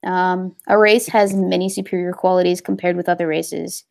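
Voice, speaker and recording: A woman's voice: lowish voice, fairly even intonation, moderate pace, vocal fry, darkish tone. A young woman hosting a casual livestream, talking in a rambling, hesitant way with many fillers. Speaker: livestream host.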